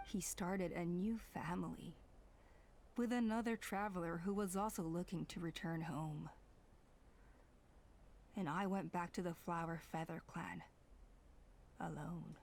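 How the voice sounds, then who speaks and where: A woman playing a proud, zealous female tribal elder in a fantasy game, speaking in a measured, theatrical, persuasive way. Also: on the low side, gravelly, slight background noise. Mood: wistful, regretful. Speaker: village chief in a fantasy game. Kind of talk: dramatic scripted game dialogue.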